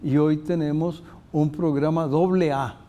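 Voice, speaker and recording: An older man from Costa Rica hosting a university interview program, talking in a halting way with many filler sounds. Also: fairly high pitch, fairly even intonation, dark tone, muffled recording. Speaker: host.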